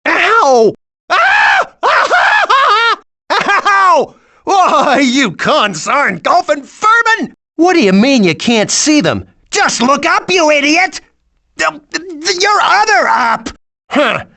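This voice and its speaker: Cranky old game villain, piercing and animated, spitting old-timey abuse with drawn-out bluster. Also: female voice, sits high, gravelly, shouting, heavily acted. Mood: outraged, then bossy, scornful. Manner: blustering, old-fashioned cussing. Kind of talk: cartoon video game voice acting.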